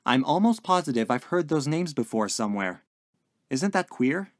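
Narrator as a puzzled, polite young man, lively pitch. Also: normal speed, no room sound, clean studio sound, natural voice. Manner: hesitant, searching, well-mannered.

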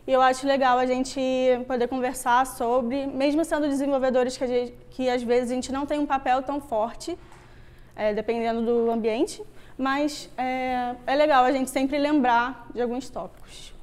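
On stage before a screen in a wooden-floored meetup room, a young Android developer with a Rio de Janeiro (carioca) Brazilian accent gives an informal, conversational tech talk. Her high-pitched voice is clean and darkish, with fairly even intonation at normal speed.

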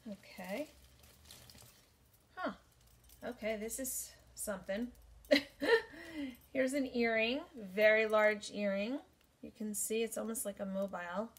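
A woman's voice: mid-range voice, slight background noise. A woman in her forties, chatting casually and thinking aloud with many ums as she sorts jewelry in her bedroom, recorded by a camera at desk distance. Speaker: vintage jewelry reseller. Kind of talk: casual show-and-tell haul video. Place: bedroom, indoors.

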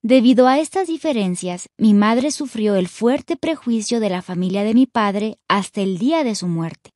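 Lively heartfelt woman from Nigeria. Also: mid-range voice, moderate pace, no room sound, studio quality. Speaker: testimony speaker. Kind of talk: read personal testimony.

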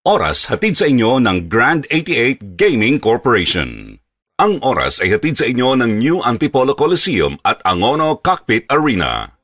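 A man's voice: mid-range voice, wildly swooping pitch, moderate pace, fairly bright tone. A man announcing a radio program in an emphatic, dramatic voice. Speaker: station announcer.

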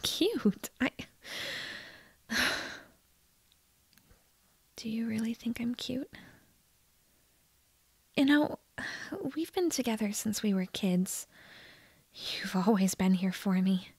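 A woman playing a shy, nervous teenage girl in love with a best friend, in a breathy, hesitant ASMR roleplay whisper. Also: a little high, no room sound, full character voice. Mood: bashful, playful. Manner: hesitant, halting, tender.

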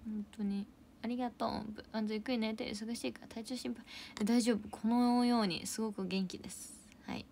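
A young woman chats on her livestream in a bubbly, thankful way and reads out comments one after another. Her voice sits at a middling pitch. She often sinks to soft, whispery murmurs between brighter lines. A faint steady hum lies under the close-miked voice. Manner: bubbly, thanks viewers for gifts, drops into soft whispery asides. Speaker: idol livestream host. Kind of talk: casual livestream chat reading viewer comments.

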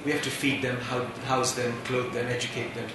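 A man's voice: mid-range voice, little pitch movement, a little fast. A man from India telling a wry personal story on a conference panel. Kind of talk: anecdotal speech. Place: large conference hall. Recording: echoey hall, distant mic, background hiss.

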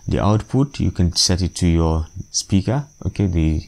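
A man narrating an unscripted software tutorial step by step, with hesitant, repetitive explanations. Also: sits low, lively intonation, normal speed, creaky. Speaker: tutorial presenter.

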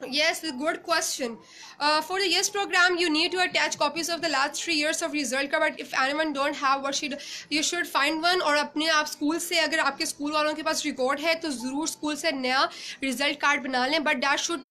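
A woman's voice: high voice, fairly even intonation, racing, bright, forceful tone. A young woman from Pakistan with a Pakistani English accent, answering viewers' questions in a live Q&A session, mixing English and Urdu with many fillers and restarts, filmed on a phone at arm's length in a small room. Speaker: former exchange student answering questions. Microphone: phone camera at arm's length.

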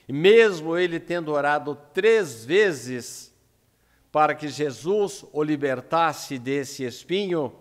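A Brazilian man in his seventies giving a prepared religious lecture in Portuguese with deliberate, emphatic pauses at a lectern microphone. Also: a little high. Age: 70s. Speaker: lecturer at a Spiritist centre. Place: indoor lecture room at a lectern. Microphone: gooseneck lectern microphone. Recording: echoing hall with long reverb.

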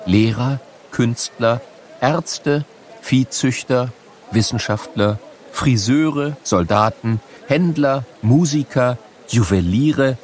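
A man narrating a scripted educational programme for children in an explanatory, measured storytelling manner. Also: medium pitch.

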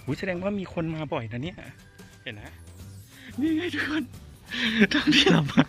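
A man's voice: fairly high pitch, wildly swooping pitch, moderate pace, a bit bright, soft background music. Chatty man vlogging on foot. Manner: chatty, exclaiming, talks to viewers as everyone. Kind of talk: casual walking vlog. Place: outdoors on a street and in a garden cafe.

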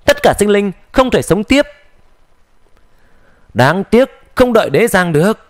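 A man voicing an old immortal whose last written words are read out, brisk and rueful. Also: high-pitched, big pitch swings, no room sound, studio quality.

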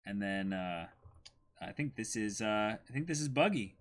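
A man in his twenties hosting a manga reading, chatting casually with animated, informal asides. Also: on the low side, normal speed. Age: 20s. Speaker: host reading manga aloud with a friend. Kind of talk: casual chat between dramatic reading. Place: small indoor room in front of a backdrop.

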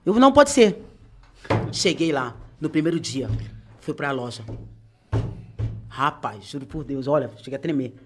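A woman's voice: low voice, a little slow, pauses often, a little hiss or hum. A woman, a podcast guest and singer, telling a story casually and acting out the dialogue with slang. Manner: animated storyteller who acts out quoted dialogue, slangy.

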